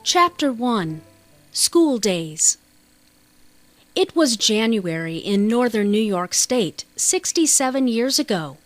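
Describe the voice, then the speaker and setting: A woman's voice: on the high side, sing-song, takes it slowly, dry recording, soft background music. A woman reading a children's novel as scripted audiobook narration.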